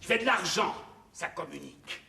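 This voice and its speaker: A man's voice: sits high, lively intonation, moderate pace, gravelly, bright, forceful tone, a little hiss or hum, exaggerated voice. An actor playing a crude, boastful nouveau-riche businessman in a televised 1970s stage comedy. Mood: bossy. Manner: brash, bossy, crude. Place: theatre stage. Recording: roomy stage sound from far off.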